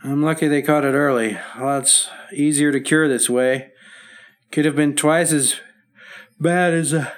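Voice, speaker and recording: An actor playing a husband laid up in hospital, joking wryly and faltering now and then, in a 1950s radio play. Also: male voice, fairly high pitch, fairly even intonation, natural voice. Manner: wry, joking, halting when upset. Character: recovering husband, wry and stubborn. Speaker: hospital patient.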